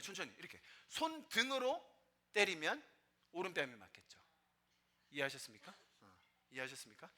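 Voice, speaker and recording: A man's voice: on the high side, sharp tone. A man preaching as a pastor, asking the congregation questions and quoting scripture with emphasis. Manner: interactive, asks the congregation questions; quotes scripture in a rising, emphatic voice. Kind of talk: sermon. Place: church sanctuary with a stage.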